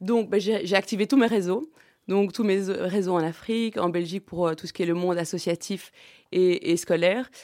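A woman speaks at a moderate pace in a medium pitch with ordinary pitch variation. She has an unremarkable speaking voice. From Flemish Brabant, Belgium. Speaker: startup founder, anthropologist. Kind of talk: radio interview.

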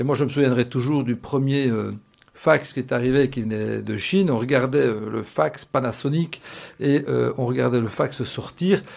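A man speaks at a fairly slow pace in a medium pitch with ordinary pitch variation. It is a normal speaking voice. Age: 50s. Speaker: entrepreneur, company founder. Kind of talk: interview.

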